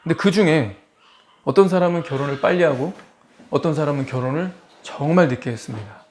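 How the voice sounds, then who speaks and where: Lively male pastor in his forties. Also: on the high side, brisk, slight background noise. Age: 40s. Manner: lively, poses rhetorical questions to the congregation. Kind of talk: expository sermon.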